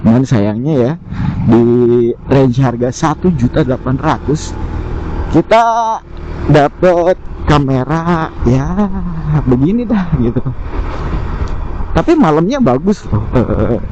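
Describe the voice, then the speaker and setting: Chatty man, muffled over road noise. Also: medium pitch. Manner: slangy, chatty, thinking aloud. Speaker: motovlogger reviewing gear. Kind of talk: casual unscripted review while riding. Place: outdoors on a motorcycle, inside a helmet. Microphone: helmet intercom microphone. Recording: muffled helmet intercom mic, loud vehicle noise. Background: road and engine noise.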